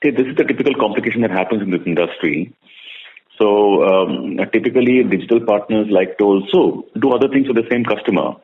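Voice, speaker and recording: A low male voice with an Indian accent comes through a narrow, phone-like line. He is a bank executive giving conversational answers on an earnings call, repeating phrases for emphasis. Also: a little fast. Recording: muffled narrow-band conference call audio.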